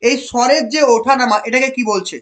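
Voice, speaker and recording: A teacher with a medium-pitched, fairly bright voice runs an online exam-prep lesson. She quizzes the class, repeats the key answers and praises students by name, reading English options slowly.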